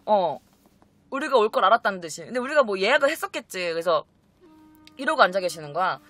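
A woman's voice: medium pitch, fast. A young woman casually telling a personal story to her viewers, acting out the voices of her relatives as she goes. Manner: animated, acts out quoted relatives in shifting voices. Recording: faint music behind.

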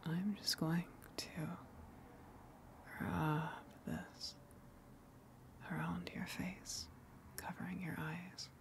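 A woman playing a gentle, lonely sea monster in an ASMR roleplay, coaxing softly in a breathy, soothing whisper. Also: low-pitched, exaggerated voice. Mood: tender, reassuring. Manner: slow, soothing, coaxing, long pauses.

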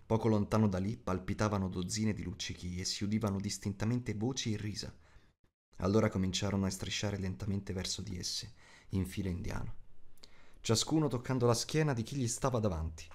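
A man's voice: on the low side, brisk, a little mellow. A man reading a story aloud as an audiobook narrator in a scripted style.

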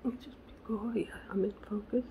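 A woman hosting a casual crafting tutorial, chatty and correcting herself, her voice raspy because she is losing it. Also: medium pitch, fairly even intonation, a little fast, phone-quality sound, a little hiss or hum. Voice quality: gravelly. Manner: chatty, self-correcting, muttering asides to herself. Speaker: craft channel host.

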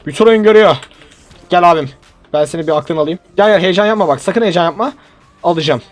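A young man with a fairly high voice rattles off lively, joking commentary as he plays a mobile shooter, egging on teammates and talking to his viewers. Gunfire and faint music run behind him. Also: fast talker. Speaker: gaming YouTuber. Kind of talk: live mobile game commentary. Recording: game sounds and music behind.

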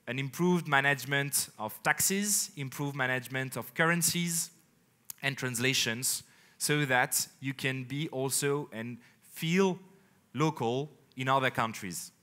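A man in his thirties with a French accent, giving an energetic conference keynote on a large indoor stage, speaking in phrases with emphatic pauses. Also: mid-range voice. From France. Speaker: company executive presenting on stage.

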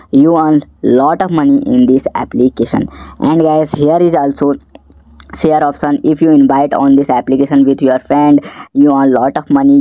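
A man's voice: on the high side, dry recording. A man with a South Asian accent narrating a tutorial step by step in non-native English, repeating himself as he promotes an app. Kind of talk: screen-recorded tutorial narration. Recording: dull, lo-fi voice-over.

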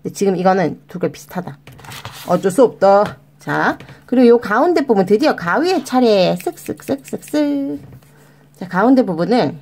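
A woman's voice: mid-range voice, lively intonation, moderate pace, a little mellow, breathy edge. A woman hosting a children's origami tutorial, guiding step by step in a coaxing, sing-song way and talking to the kids as her friends. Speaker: children's origami channel host.

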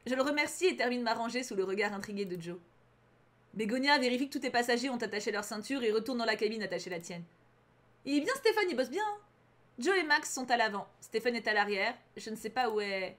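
A young woman reading a visual novel aloud as a let's player, animated and often exclaiming in outrage. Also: on the high side, fast.

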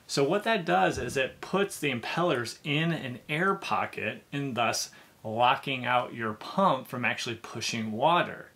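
A man in his thirties walks through a home repair job step by step, in a clear and practical way. His voice is bright and forceful, sitting at an ordinary pitch for a man. He is recorded close to the camera in a basement. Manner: clear, methodical, practical explaining. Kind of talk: step-by-step how-to explanation. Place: basement with concrete walls.

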